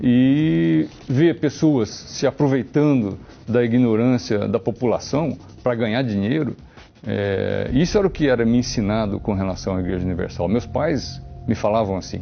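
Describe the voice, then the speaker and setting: Music in the background behind a man at medium pitch, speaking at a fairly slow pace with lively intonation. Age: 60s. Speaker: church member giving testimony. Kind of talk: testimony.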